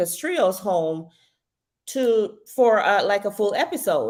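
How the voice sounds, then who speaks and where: A woman talks in a Jamaican accent with a fairly high pitch, an animated tone and lively intonation. The recording is very clean, with a silent background. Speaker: talk show co-host. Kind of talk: casual chat about a TV show. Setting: live stream.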